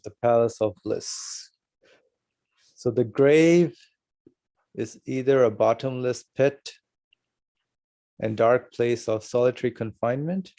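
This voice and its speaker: A man reading aloud from a religious text and calmly affirming his teacher. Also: medium pitch, slow, long pauses. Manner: calm, brief affirmations. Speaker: study partner reading the text.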